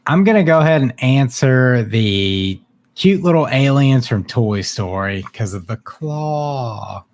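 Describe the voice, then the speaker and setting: A man's voice: mid-range voice, animated, takes it slowly, darkish tone. Easygoing man giving brief podcast replies. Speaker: podcast co-host. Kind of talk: casual book club chat.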